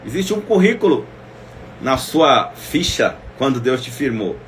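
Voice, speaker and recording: Male preacher, middle-pitched, intimate and emotive, addresses the listener directly; faint room hum. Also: big pitch swings, a little slow. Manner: emotive, swings between loud exclamations and soft asides; speaks directly to listeners as "minha irmã". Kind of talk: devotional Bible teaching.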